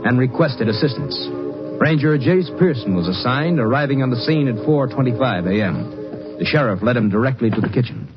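A man's voice: mid-range voice, lively intonation, a little fast. A man delivering scripted narration as the narrator of a 1950s radio drama. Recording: muffled old radio recording with music.

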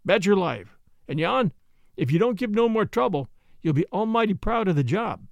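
A man voicing a rough, gloomy frontier miner with a drawling way of talking. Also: high-pitched, very animated, moderate pace, dry recording, muffled recording, heavily acted. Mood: glum.

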